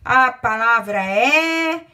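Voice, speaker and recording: Slow, bright-voiced woman teacher dictating words. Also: a little high, animated. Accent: Brazilian Portuguese. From Brazil. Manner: counts aloud slowly, stretches out each word. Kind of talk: slow dictation lesson for young children.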